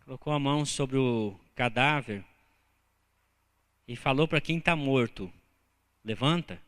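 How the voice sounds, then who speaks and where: A man with a Brazilian Portuguese accent preaching a sermon as pastor, telling humorous personal stories with animated delivery. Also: mid-range voice, measured pace. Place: church sanctuary. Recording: church hall reverb.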